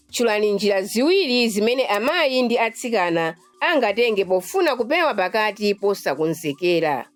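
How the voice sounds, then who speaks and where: Animated Malawian woman presenting radio. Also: mid-range voice, dry recording. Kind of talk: scripted radio announcing.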